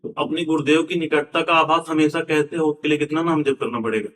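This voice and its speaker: A man's voice: on the high side, steady tone, fairly quick, a bit bright. A man, a devotee asking the spiritual teacher a question, respectful and using honorifics.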